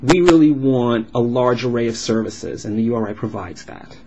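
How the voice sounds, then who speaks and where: A man voicing a signed vlog as an interpreter, explaining in halting phrases with uneven pauses. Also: medium pitch. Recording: dull lo-fi sound with clear background noise.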